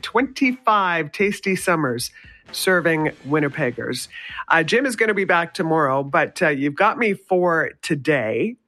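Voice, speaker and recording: A woman's voice: on the low side, a bit bright. A woman guest-hosting a talk radio show, chatty and upbeat, sounding nasal from a summer cold. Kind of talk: casual talk radio chat.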